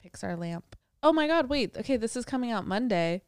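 A woman's voice: on the high side, lively intonation, a little fast, smooth, no room sound, studio quality. A woman co-hosting a podcast from home, talking casually and saying "like" often. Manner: chatty, heavy use of "like". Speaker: podcast co-host. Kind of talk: casual chat. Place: home living room with dog nearby.

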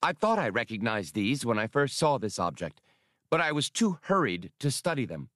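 A man voicing a small, pedantic alien academician in an audiobook, excitable and formal in his precise, wordy speech. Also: medium pitch, normal speed, dry recording, studio quality. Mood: eager, precise. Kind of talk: audiobook character voice.

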